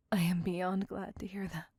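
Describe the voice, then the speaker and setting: A woman's voice: on the low side, warm tone, no echo, clean studio sound, heavily acted. A woman voicing a possessive, remorseful female vampire lover in a whispered ASMR roleplay, talking in an intimate, doting way. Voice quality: whispered, breathy and gravelly. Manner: intimate, apologetic, slow and doting.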